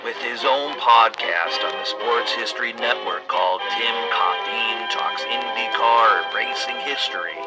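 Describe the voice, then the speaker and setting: A man's voice: medium pitch, unhurried, hardly any pauses, poor audio. A man narrating a scripted podcast promo in a punchy, dramatic way. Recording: loud music bed.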